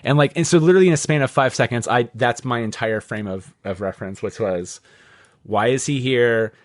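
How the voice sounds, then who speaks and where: A man in the middle of his range talks loosely and at length, circling back on himself with lots of "like" and a casual curse here and there. The sound is close and dry, with no room around it. He is a podcast host thinking out loud. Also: mid-range voice, fairly quick, no room sound. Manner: rambling, peppered with "like" and swearing.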